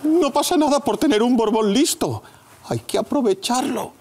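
A man's voice: extremely high pitch, lively intonation, normal speed, a little mellow, a little hiss or hum. An actor playing a smug, easygoing king who shrugs off scandal. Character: smug, lazy king in a suit. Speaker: satirical sketch actor. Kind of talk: sketch comedy acting.

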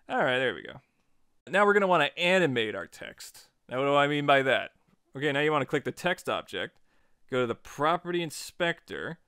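A man narrating a software tutorial in a chatty, informal way, guiding step by step. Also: medium pitch, clear, resonant tone, dry recording, studio quality. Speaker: tutorial host.

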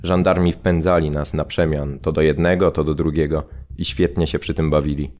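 A man's voice: rumbling low, flat delivery, moderate pace, darkish tone. A man acting a sober prisoner who recalls events in a dry, understated audio drama reading. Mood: dry recollection. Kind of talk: dramatised documentary memoir reading.

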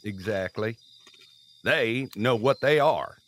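A man playing a gruff, stubborn, wounded man in a naturalistic audio drama, grumbling and curt. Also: medium pitch, animated, slow, a bit bright, slight background noise. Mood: dry, easygoing.

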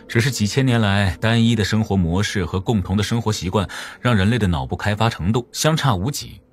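A man's voice: on the low side, breathy edge, dry recording. A man playing a sly, teasing, sulky genius killer in an audiobook drama, with a mocking drawl. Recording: music playing behind the voice.

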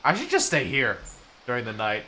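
A young man playing a survival game, joking and swearing, with sudden loud outbursts. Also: medium pitch, wildly swooping pitch, a little fast. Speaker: gaming YouTuber. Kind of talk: let's play commentary.

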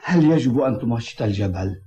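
A man's voice: mid-range voice, expressive, brisk, noisy background, lightly acted. A man playing an earnest, concerned young village doctor in a cartoon dub. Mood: worried pleading.

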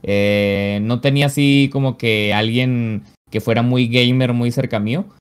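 A man of twenty-five with a Venezuelan accent, a guest telling his story in a casual interview over a video call, relaxed and full of fillers. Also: medium pitch, measured pace, smooth. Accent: Venezuelan Spanish. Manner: relaxed storytelling, frequent "básicamente" and "o sea". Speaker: guest, esports caster and pro player. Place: small home streaming room. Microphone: headset on video call.

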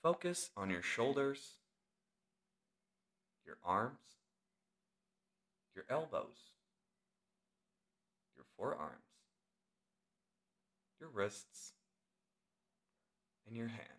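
A man leading a guided meditation as the instructor, speaking in short, deliberate phrases with long pauses. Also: medium pitch, big pitch swings, fairly bright tone.

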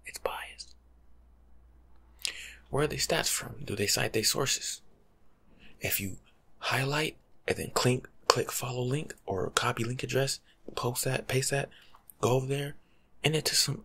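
A young American man giving soft-spoken ASMR advice in a slangy, teasing, lecturing way, often slipping into a breathy whisper. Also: mid-range voice, lively intonation, unhurried, pauses often, a little hiss or hum. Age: young adult. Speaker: ASMR creator playing a life coach. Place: small home room, seated indoors.

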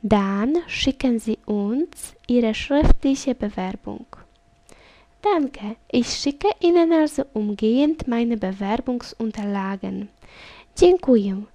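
Woman, slow and careful, mellow tone, dry close sound, reads lines then repeats them. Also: a little high, animated, no room sound. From Poland. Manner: reads each line in German, then in Polish, then repeats the German slowly. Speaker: German teacher. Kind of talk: reading a language lesson dialogue.

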